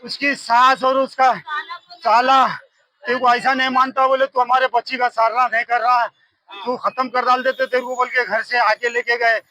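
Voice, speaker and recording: An older man, pleading and halting as he speaks in a street interview. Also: extremely high pitch, level tone, pushed and bright, rough recording. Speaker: victim's father.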